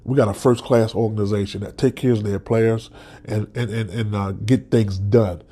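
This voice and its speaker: A man's voice: lowish voice, steady tone, normal speed, warm tone. A man hosting a solo sports podcast, stuffed up from a cold, talking as a passionate fan with many restarts and "okay?" tags. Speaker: podcast host.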